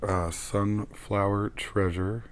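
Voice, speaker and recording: A man's voice: lowish voice, flat delivery. Young man with a fading voice. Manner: rambling, many ums, halting. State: losing his voice. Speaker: cross-stitch vlogger. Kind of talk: casual chat showing crafts. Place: small bedroom with shelves of plush toys.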